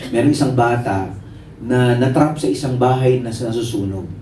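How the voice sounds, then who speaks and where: A Filipino-accented pastor preaching a sermon in a lively storytelling way, mixing Tagalog and English and acting out the people in his stories. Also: medium pitch, normal speed, slight background noise. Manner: storytelling, animated, acts out voices. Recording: echoey hall, voice from a distance.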